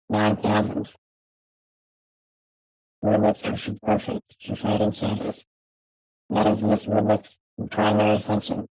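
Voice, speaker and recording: A woman's voice: a bass voice, dark tone, husky, dry recording, pitched below the performer's own voice, full character voice, rough recording. A woman streamer talking through a robot voice changer filter, playing a solemn, self-important robot that speaks in a stiff, formal way. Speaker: game streamer.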